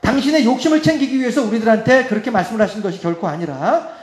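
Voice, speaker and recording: A man's voice: very high-pitched, very fast. A man preaching a sermon as pastor, in a chatty way, laughing often and asking the congregation rhetorical questions. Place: church sanctuary. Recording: echoey church hall.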